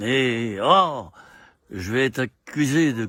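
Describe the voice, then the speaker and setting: The man's voice sits fairly high in pitch, with ordinary pitch variation. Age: 60s. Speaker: video blogger. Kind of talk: casual monologue to camera. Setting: outdoors in countryside. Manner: animated.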